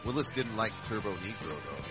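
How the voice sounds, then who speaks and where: A low-voiced man riffs sarcastically on a movie with his co-hosts, and his voice rises and falls a lot as he jokes. The audio is dull and lo-fi, with loud film music underneath. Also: very animated, brisk. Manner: sarcastic, joking. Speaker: podcast host. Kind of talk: casual movie riff chat.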